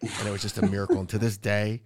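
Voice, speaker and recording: A man with a deep voice hosts a podcast in casual chat. He talks eagerly and effusively, with a lowish pitch. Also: flat delivery, fast talker. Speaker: podcast host.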